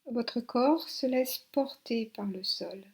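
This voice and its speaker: A woman guiding a yoga relaxation meditation as an instructor, giving soothing, unhurried instructions with long pauses. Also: a little high. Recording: soft new-age music behind. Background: new-age relaxation music.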